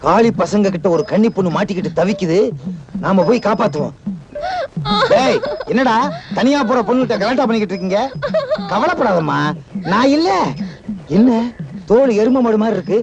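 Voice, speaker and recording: A man's voice: sits high, lively intonation, brisk, a loud crowd. An actor playing a bumbling, boastful village accountant man, with comic banter in a film scene. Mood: mocking. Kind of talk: 1980s Tamil film comedy acting. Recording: film soundtrack with music behind. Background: film music.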